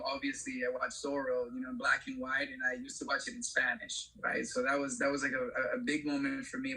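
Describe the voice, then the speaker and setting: A middle-aged man from Venezuela, an actor speaking as a panel guest in a halting way, with many fillers. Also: medium pitch, pushed and bright, husky, low-quality recording. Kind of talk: panel discussion.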